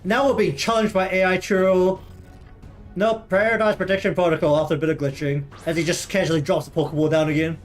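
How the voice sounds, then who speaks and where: A man's voice: high-pitched, flat delivery, fast, faint music behind. A man giving casual let's-play commentary, chatty and joking, swearing now and then. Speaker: gaming video host.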